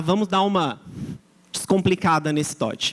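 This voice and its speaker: There is noticeable background noise as a man speaks in an animated tone. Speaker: psychologist and lecturer. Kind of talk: lecture. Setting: stage with audience.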